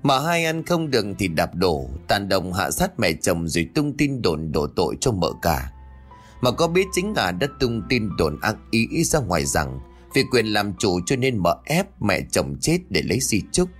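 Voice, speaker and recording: A male storyteller reads a dramatic tale in a husky, breathy voice. His pitch rises and falls expressively through the scenes. Faint background music plays beneath him. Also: big pitch swings, measured pace. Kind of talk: scripted dramatic story narration.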